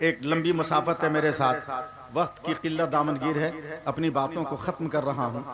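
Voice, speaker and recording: A man from India preaching a religious sermon to a gathering, swinging from fervent shouts to quiet asides, with rhythmic repeated refrains. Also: a little high, fairly even intonation, normal speed. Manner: rises to fervent shouting, then drops to soft conversational asides. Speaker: Islamic preacher. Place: outdoor religious conference stage. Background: crowd at a large religious gathering.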